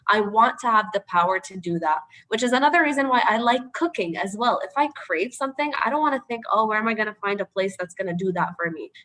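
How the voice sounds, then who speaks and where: A woman answering a question in an online training session, chatty and earnest, with a dry throat she keeps clearing. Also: mid-range voice, a bit bright, low-quality recording. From Palestinian. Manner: chatty and earnest, frequent "you know" and "like". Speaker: media trainer.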